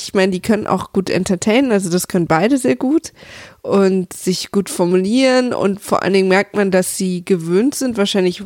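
A woman rambles through a casual podcast monologue from her home office, full of fillers and quick laughs. Her voice sits at an ordinary middle pitch. The sound is dry and close. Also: a little mellow, no room sound. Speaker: podcast host.

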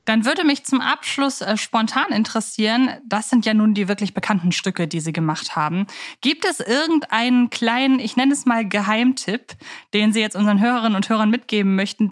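A woman hosting a podcast interview in a conversational, wordy way, often searching for her phrasing. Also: on the high side. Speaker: podcast host.

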